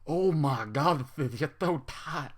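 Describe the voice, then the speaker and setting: A man's voice: a little high, lively intonation, takes it slowly, voice pushed up. A man voicing a smug, leering stallion pony.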